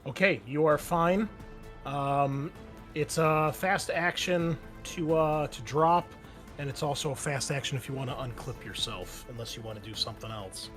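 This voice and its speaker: A man's voice: medium pitch, moderate pace, a bit bright. Casting: male game master, conversational and encouraging, improvising tabletop narration over light background music. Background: music under the voice.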